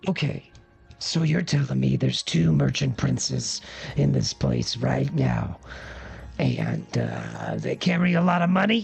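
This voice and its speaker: A man uses a raspy, put-on character voice at a fairly slow pace. Faint music plays in the background. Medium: actual play. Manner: scheming, evasive.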